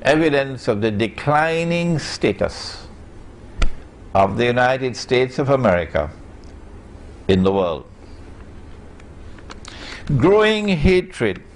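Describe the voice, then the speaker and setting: A man's voice: medium pitch, a little hiss or hum. A man from Trinidad and Tobago, giving a public lecture in an emphatic way and putting rhetorical questions to his audience.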